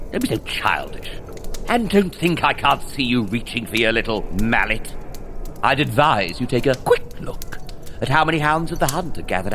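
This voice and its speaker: An actor playing a gloating megalomaniac dark elf villain, mocking and sinister, in a fantasy audio drama. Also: male voice, medium pitch, slight background noise, heavily acted. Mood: taunting.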